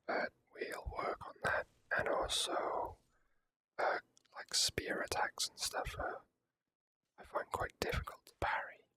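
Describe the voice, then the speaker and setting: Speaking only in a soft, bright, crisp whisper that never becomes full voice, a gaming creator offers relaxed ASMR commentary. There's the odd mild curse in the unhurried delivery, and the audio is poor.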